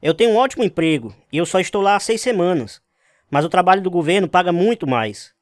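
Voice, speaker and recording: A man's voice: high-pitched, expressive, fast talker, dry recording, clean studio sound. A man playing an earnest young Christian, narrating his testimony sincerely in a radio drama. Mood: earnest, wondering. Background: music.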